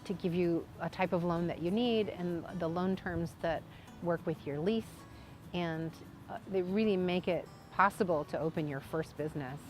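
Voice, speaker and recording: A middle-aged woman from Detroit who owns a coffee shop, speaking in a measured, matter-of-fact way in a documentary interview. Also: lowish voice, darkish tone. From Detroit, USA. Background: background music.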